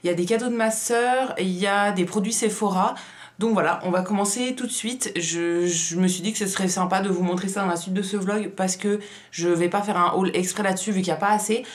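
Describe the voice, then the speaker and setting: A woman's voice: medium pitch, a little fast. A woman vlogger who has just woken up, chatting casually with a tired morning voice. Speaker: beauty vlogger. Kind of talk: casual vlog chat.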